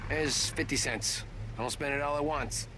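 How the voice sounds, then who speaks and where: A man's voice: fairly high pitch, normal speed, close to an everyday voice. An actor playing a smug, impatient businessman in a video game, brusque and condescending. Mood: smug, scornful. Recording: loud car and street noise.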